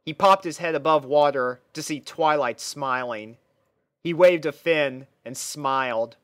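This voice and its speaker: A man's voice: on the high side, unhurried, clear, resonant tone, no room sound, clean studio sound. A man narrating a scripted fan fiction story as a reader.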